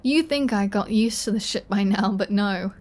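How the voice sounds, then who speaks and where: A woman's voice: medium pitch, moderate pace, darkish tone, close to an everyday voice. A woman voicing a flirty, possessive female vampire in an intimate ASMR roleplay, with a teasing, playfully threatening manner. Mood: fond exasperation.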